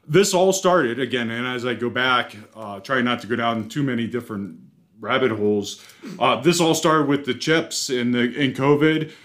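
A man's voice: mid-range voice, moderate pace, a bit bright. A man co-hosting a casual podcast from a car dealership, talking in a loose, rambling way with lots of restarts and self-deprecating jokes. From Ohio, US.

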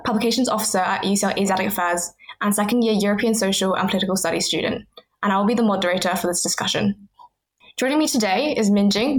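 A woman in her twenties moderating a student podcast panel, reading crisp introductions. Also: medium pitch. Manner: scripted, brisk introductions.

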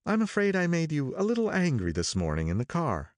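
Male reader doing a smooth, eager young charmer, a bit raised in pitch, audiobook. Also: wildly swooping pitch, fairly quick, no echo, studio quality.

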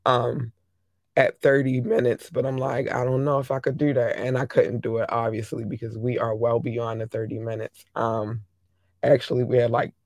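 A hoarse podcast host chatting casually, affectionately shouting out listeners country by country. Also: mid-range voice, level tone, moderate pace, no room sound, studio quality.

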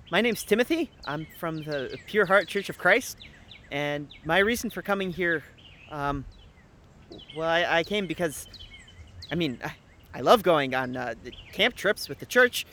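A man's voice: fairly high pitch, lively intonation, normal speed, long pauses, sharp tone. An actor playing an eager, awkward young male church camper who stumbles hesitantly through his words in an audio drama. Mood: eager, nervous. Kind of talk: naturalistic audio drama dialogue. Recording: outdoor background noise with birdsong.

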